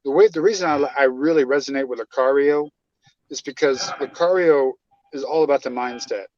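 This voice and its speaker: A man's voice: mid-range voice, a little fast, a little mellow, highs cut off, a little hiss or hum. A man in his forties on a group call, rambling with many stammered restarts. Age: 40s. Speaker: caller.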